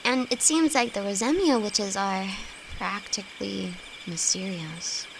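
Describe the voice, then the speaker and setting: A woman's voice: medium pitch, gravelly. A woman playing a timid, affectionate young apprentice alchemist in an intimate fantasy audio roleplay, speaking hesitantly to her best friend. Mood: relieved, tired. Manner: hesitant, halting, soft-hearted. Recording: noisy, with night insects behind. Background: crickets and night forest ambience.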